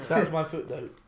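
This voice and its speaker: A man co-hosting a gaming podcast, giving news with wry remarks in casual chat. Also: sits high. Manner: wry, presents news segments. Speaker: podcast co-host. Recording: roomy home podcast recording.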